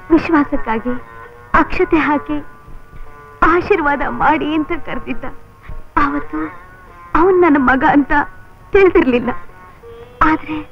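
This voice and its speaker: Sad pleading mom, high voice, dull old movie audio with music. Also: female voice. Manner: pleading, sorrowful. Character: grieving middle-aged mother with a shameful past. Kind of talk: 1980s film acting.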